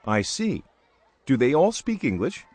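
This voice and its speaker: An actor playing a street reporter, asking friendly, scripted questions outdoors at a playground. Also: male voice, medium pitch, very animated, a little slow, a little mellow.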